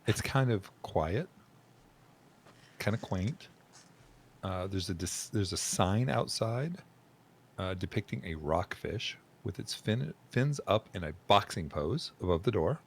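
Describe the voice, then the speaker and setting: A man runs a tabletop game, describing the scene and musing aloud as he looks up rules. His voice sits low with a gravelly edge, but it moves around a lot in pitch. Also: lively intonation, measured pace, slight background noise. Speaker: game master. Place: home room, live stream.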